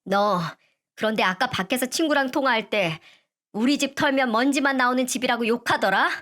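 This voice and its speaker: A woman's voice: a little high, a little fast, fairly bright tone, lightly acted. A woman voicing a young man, a lawyer son, who speaks firmly and bluntly in a read-aloud family story. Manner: firm, blunt.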